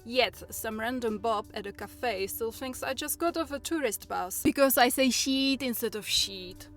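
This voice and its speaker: A woman's voice: on the high side, fairly bright tone. Czech woman talking in english w/ her accent, earnest n encouraging, faint music under it. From Czech Republic. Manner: earnest and encouraging, with measured phrasing. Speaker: vlogger. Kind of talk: personal, reflective vlog talk.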